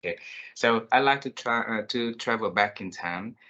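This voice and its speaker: A man hosting an interview, effusive and courteous, with halting, repeated phrasing. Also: fairly low pitch, bright, forceful tone. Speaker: podcast host.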